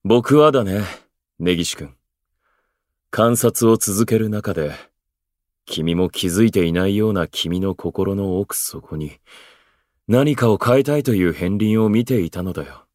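An actor playing an aloof, eloquent station worker in a voice drama, speaking in florid, pompous, unhurried phrases. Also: male voice, lowish voice, a little mellow, dry recording, studio quality, natural voice. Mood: earnest, measured. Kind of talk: Japanese voice drama acting.

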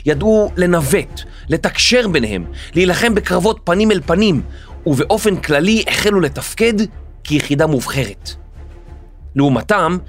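Lively male podcast storyteller. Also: on the high side, dry recording. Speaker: podcast host and narrator. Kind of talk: scripted history narration for listeners.

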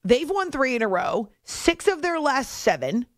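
Woman radio host, slightly high voice, dry close studio sound, chatty with asides. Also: very animated, unhurried, no echo. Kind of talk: late-night sports radio talk. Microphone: studio microphone.

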